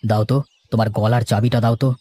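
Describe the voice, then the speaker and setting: A man playing a gruff, scolding but fair village master in a cartoon story, with an authoritative, declamatory manner. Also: lowish voice, little pitch movement, quick pace, mellow, dry recording, lightly acted. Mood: firm, commanding. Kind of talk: animated cartoon story acting. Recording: music bed under the voice.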